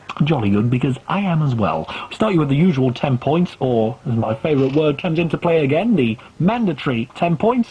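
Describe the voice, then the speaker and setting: A man speaks with an upbeat tone at a fairly high pitch and very even loudness. Noticeable background noise runs underneath. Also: lively intonation, fairly quick pace. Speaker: radio DJ. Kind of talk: radio show hosting. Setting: radio broadcast. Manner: upbeat, jokey.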